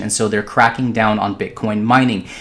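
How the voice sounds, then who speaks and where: Someone speaks very fast with an American accent. Noticeable background noise is present. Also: man. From Southern California, USA. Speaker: crypto YouTuber. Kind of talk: casual commentary video. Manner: hesitant, many fillers.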